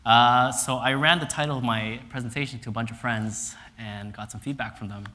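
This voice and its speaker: A man's voice: mid-range voice, a little fast. A man in his thirties from Canada gives a conference talk, telling stories with energy and acting out quotes on stage. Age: 30s. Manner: energetic, animated storytelling with voiced quotes. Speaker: speaker. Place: stage in a lecture hall. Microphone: clip-on mic.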